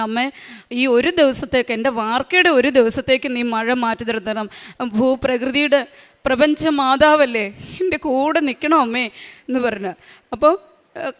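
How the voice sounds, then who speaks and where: High-voiced woman giving a halting testimony. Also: long reverb tail. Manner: halting, with many fillers and restarts. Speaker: testimony giver. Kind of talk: spoken religious testimony.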